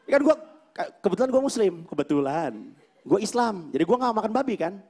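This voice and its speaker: A man performing stand-up comedy on stage, telling his story in an animated way and acting out the dialogue. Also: high-pitched, brisk, a faint crowd. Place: comedy stage before a live audience.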